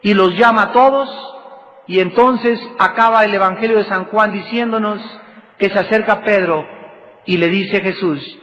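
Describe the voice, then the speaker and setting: A man's voice: moderate pace, fairly bright tone. A man preaching a sermon, with emphatic swells and drops in his delivery. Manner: emphatic preaching with dramatic swells in pitch and volume. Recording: reverberant hall, dull lo-fi sound.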